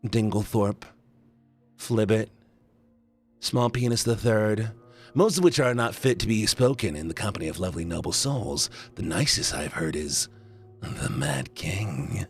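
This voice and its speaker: A man voicing a smooth, flirtatious and sinister self-styled king, with theatrical, velvety courtesy, for a visual novel. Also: lowish voice, lively intonation, a little slow, faint music behind, heavily acted. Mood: charming. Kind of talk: visual novel voice acting on a stream.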